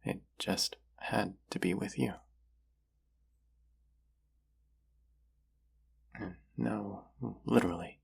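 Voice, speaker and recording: Man acting a husky, very gravelly young romantic crush. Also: full character voice. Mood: tender, confessing. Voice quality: husky, breathy, gravelly low voice. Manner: slow, hushed, teasing, trailing pauses. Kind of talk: intimate romantic audio roleplay.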